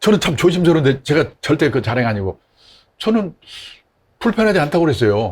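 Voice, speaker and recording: A man with vocal fry and a fairly high pitch talks at a fairly quick pace with very wide pitch swings and long, frequent pauses, in a very clean recording with a silent background. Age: 70s. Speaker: retirement planning expert. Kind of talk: interview. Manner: conversational, with some halting repetitions.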